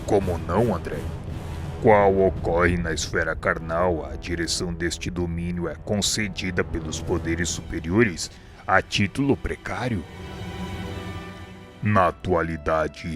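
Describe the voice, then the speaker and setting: An actor with a Brazilian accent playing a wise, calm male spirit guide who explains things in a solemn, measured, formal way in a radio drama. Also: sits low. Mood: grave, explaining.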